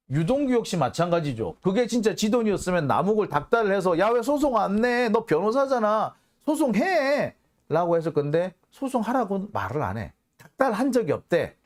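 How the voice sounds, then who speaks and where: Male reporter-host for commentary reads, emphatic and chatty, lively voice sitting slightly high. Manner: animated, emphatic, conversational. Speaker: host and legal affairs reporter. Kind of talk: commentary on court records.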